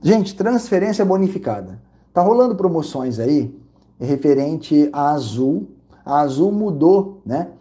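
A Brazilian man vlogging casually, telling an animated, repetitive story with lots of exclamations. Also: on the high side, a little slow. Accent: Brazilian Portuguese. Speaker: vlogger reviewing credit card perks and hotels.

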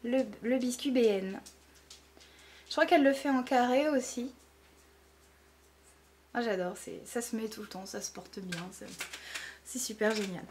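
A woman's voice: fairly high pitch, a little slow, pauses often, darkish tone, a little hiss or hum. A woman vlogging casually, showing off jewelry with gushing enthusiasm and lots of fillers. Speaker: beauty vlogger. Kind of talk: casual show-and-tell.

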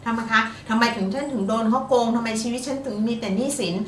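A woman's voice: on the high side, quick pace, recorded from a distance, a little hiss or hum. A woman co-hosting as an astrologer, talking in a chatty, upbeat way and laughing easily. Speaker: astrologer co-host. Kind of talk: casual chat. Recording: echoey room, voice from off-mic.

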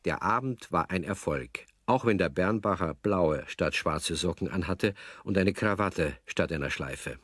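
A man's voice: low-pitched, measured pace, hardly any pauses, fairly bright tone, no echo, studio quality. A man narrating a children's story as a scripted narrator, speaking directly to young listeners.

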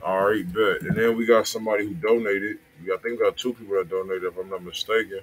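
A man in his thirties with an American accent hosts a music review livestream from a small indoor room, chatting casually and slangily straight to his viewers. His voice is lowish and steady, and he talks fast. The room sound is noisy, typical of a livestream.

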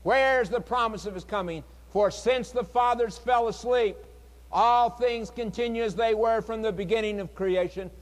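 High-voiced preacher in a reverberant hall. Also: male voice. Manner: dramatic pauses, pleading and earnest, swings loud and soft. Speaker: evangelist preacher. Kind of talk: revival sermon.

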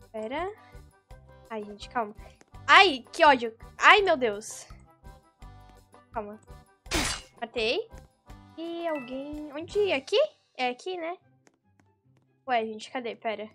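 Bright, high-voiced Brazilian woman gamer. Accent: Brazilian Portuguese. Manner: excitable, exasperated outbursts. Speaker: gaming YouTuber. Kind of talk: live gameplay commentary.

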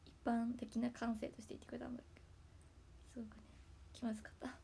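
A young woman with a Hakata dialect, chatting casually on her livestream from home and thanking viewers, often slipping into soft whispery asides. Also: a little high, level tone, fast, creaky, slight background noise. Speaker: idol livestream host. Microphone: tablet built-in mic.

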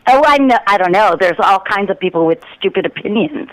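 A woman's voice: medium pitch, animated, brisk, no room sound. A woman arguing on a phone call, indignant and sarcastic, as the target of a prank call. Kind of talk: angry phone argument.

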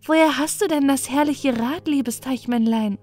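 A woman's voice: high-pitched, normal speed, no room sound, pitched above the performer's own voice, natural voice. A woman voicing a kind, eager little peasant girl, innocent and full of exclamations. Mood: eager wonder. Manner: bright-eyed, innocent, exclamatory.

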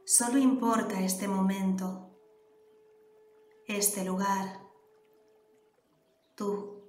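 A woman with a Canary Islands Spanish accent guiding a meditation, giving soft, calm instructions with long pauses. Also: mid-range voice. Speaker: meditation guide. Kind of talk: guided meditation. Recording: roomy echo with soft music behind. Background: soft background music.

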